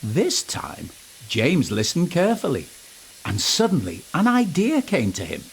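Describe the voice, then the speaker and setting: A man's voice: a little high, wildly swooping pitch, measured pace, gravelly, a little hiss or hum, rough recording. A man narrating a scripted children's story as storyteller.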